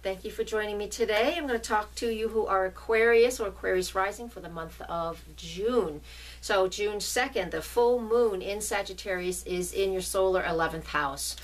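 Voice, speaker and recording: A woman's voice: mid-range voice, normal speed. A middle-aged woman with a New England accent, an astrologer giving a casual forecast and often checking in with her listeners. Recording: voice a bit distant from mic.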